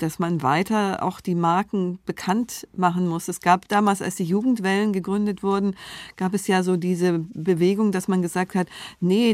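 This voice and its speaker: A woman's voice: on the low side, a little mellow, dry recording. A woman speaking spontaneously as an interview guest, explaining and arguing her points in a reasoned way. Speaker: interview guest, media expert. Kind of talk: spontaneous analytical discussion.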